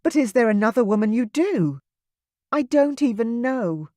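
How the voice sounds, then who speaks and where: An audiobook reader voicing a pregnant young woman who is emotional and quick to anger, in a raised, intense voice. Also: very animated, dry recording, clean studio sound. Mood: furious. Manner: high-pitched, intense, loud. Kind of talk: audiobook character voice.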